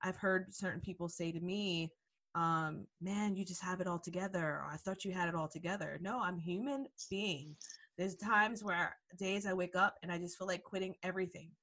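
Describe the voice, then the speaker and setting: A woman's voice: fairly low pitch, moderate pace. A woman hosting a podcast, chatting casually and enthusiastically with her guest. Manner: enthusiastic, gets excited and laughs. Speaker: podcast host and hygienist coach. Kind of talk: casual podcast interview chat.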